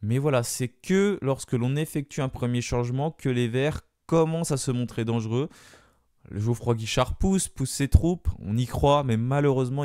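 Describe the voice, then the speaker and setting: A man talks through a football match on his own, hesitating often and restarting his sentences. His voice is smooth and clear at a middling pitch. The recording is dry and close, with no room sound. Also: warm tone, no echo. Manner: hesitant, many fillers and restarts. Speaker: fan channel host. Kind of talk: solo match debrief.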